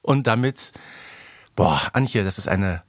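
A man's voice: on the low side, expressive, slow, no room sound, clean studio sound. A man from Germany co-hosting a podcast, chatting in a casual, enthusiastic and emphatic way. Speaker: podcast co-host and moderator. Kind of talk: casual unscripted podcast chat. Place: podcast studio.

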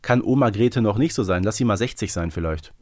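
A man's voice: fairly low pitch, brisk, darkish tone, no room sound. Man musing casually, dry close sound. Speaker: podcast co-host. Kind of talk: casual conversational fan podcast talk.

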